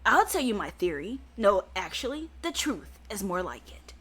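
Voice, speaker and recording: A woman reading aloud the lines of a snobbish upper-class crew member from a game, in her own bright voice. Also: mid-range voice, very animated, moderate pace, breathy edge. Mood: smug.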